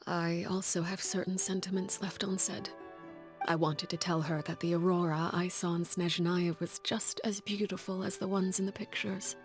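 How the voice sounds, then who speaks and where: A woman voicing a stern, composed leader of a family in a video game, speaking calmly and with command in a soft, breathy way. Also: lowish voice, soft background music, close to an everyday voice. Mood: quiet. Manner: calm, measured and commanding.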